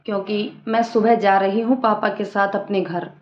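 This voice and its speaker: A woman voicing a young divorced woman who speaks in a soft, earnest and resolute way. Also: medium pitch, fairly even intonation, normal speed, slight background noise, lightly acted. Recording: roomy lo-fi room sound.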